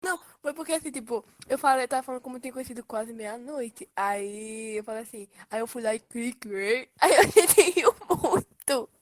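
A young woman from Northeast Brazil with a Northeastern Brazilian accent, co-hosting a casual podcast with quick retorts. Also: a little high, lively intonation, no room sound. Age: young adult. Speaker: podcast co-host.

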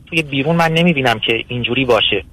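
A man calling in to a radio counseling show, speaking hesitantly with pauses and fillers. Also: medium pitch, bright, forceful tone, rough recording. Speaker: caller. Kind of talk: phone-in consultation.

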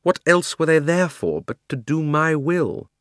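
A man's voice: fairly high pitch, expressive, unhurried, a bit bright, dry recording, studio quality, voice pushed up. A man voicing a proud, cruel and haughty queen of enormous height, speaking in an imperious, declamatory way.

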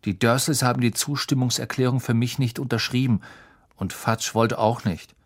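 A man voicing a guarded teenage wizard who speaks in a bitter, low-key way. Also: steady tone, moderate pace, lightly acted.

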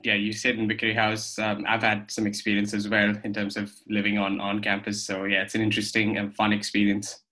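A man's voice: on the low side, monotone, fairly quick, few pauses, pushed and bright, rough recording. A young man from Australia hosting a podcast interview, friendly and a bit hesitant, with fillers and restarts. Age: young adult. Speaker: podcast host. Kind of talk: conversational interview.

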